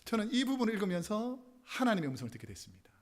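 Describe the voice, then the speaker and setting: A man's voice: high voice, very animated, very fast. A male pastor preaching a sermon, telling a story and acting out quoted prayers, his intensity rising and falling.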